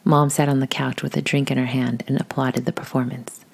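A woman with a raspy voice, reading a post aloud in a soft, casual whisper. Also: rumbling low, level tone, brisk. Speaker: audio creator reading posts.

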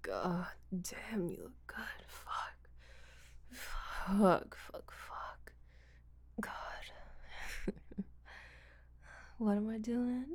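A woman playing a breathy, giggling seductress. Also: mid-range voice, expressive, extremely slow, long pauses, no room sound, heavily acted. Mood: teasing. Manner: breathy whispering, frequent giggles, teasing. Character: teasing, domineering seductive woman, rough-handed. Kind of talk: audio roleplay.

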